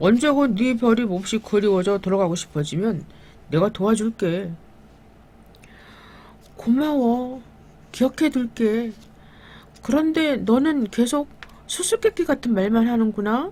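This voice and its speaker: With a dark, mellow tone and very even loudness, the voice moves at a very slow pace with lively intonation and long, frequent pauses. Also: woman. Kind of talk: audiobook reading, bedtime story.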